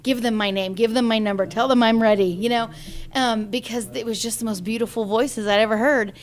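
In an interview, a woman in her forties who is a singer shares a personal story, vividly performing the voices of those she quotes. She speaks a little fast, with a fairly high pitch.

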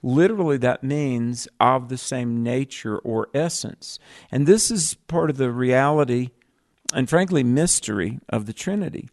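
Male radio Bible co-host, measured and teacherly, cites chapter and verse. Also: medium pitch, expressive, a little mellow. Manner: measured, explanatory, scripture-citing. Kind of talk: call-in radio Bible talk.

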